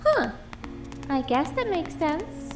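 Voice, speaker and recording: Very high, unhurried young cartoon hedgehog girl voiced by a woman. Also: very animated, music in the background, exaggerated voice. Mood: playful, curious. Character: young female cartoon hedgehog, sparring, kindly and encouraging. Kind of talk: audio drama acting.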